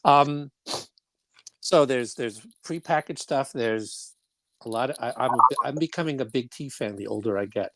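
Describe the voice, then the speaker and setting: A podcast host asking questions in a chatty, animated way, often restarting sentences. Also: mid-range voice, moderate pace, no echo. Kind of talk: casual interview.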